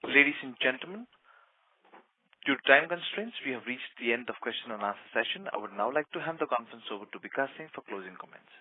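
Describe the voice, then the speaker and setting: A man's voice: mid-range voice, expressive, quick pace, slightly rough. A man moderating a conference call with formal scripted announcements over a phone line. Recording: narrow tinny phone line.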